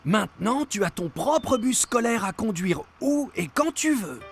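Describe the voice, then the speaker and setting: An actor playing a friendly, encouraging man in a children's cartoon, talking gently and simply to a small child. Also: mid-range voice, sing-song, measured pace, breathy edge, faint music behind, heavily acted. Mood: cheerful, kind.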